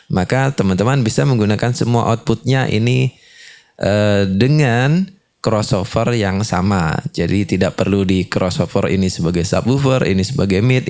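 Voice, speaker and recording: Low-pitched man giving a tutorial. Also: a little mellow. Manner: explanatory, with frequent confirming tags. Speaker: audio tutorial presenter. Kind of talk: step-by-step instructional demonstration.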